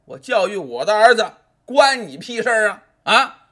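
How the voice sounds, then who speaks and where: A male storyteller voicing a furious, brutish father who shouts threats and sneers at the police. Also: high-pitched, sing-song, moderate pace, husky, heavily acted. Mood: scornful. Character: furious brutish father, middle-aged man.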